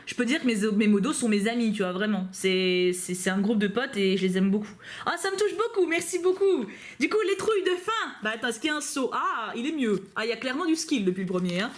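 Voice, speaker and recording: A woman's voice: mid-range voice, slight background noise. A woman YouTuber chatting casually to camera from her couch at home, bubbly and full of fillers and asides. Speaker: YouTuber reacting to fan mail. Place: at home on a couch, dog nearby.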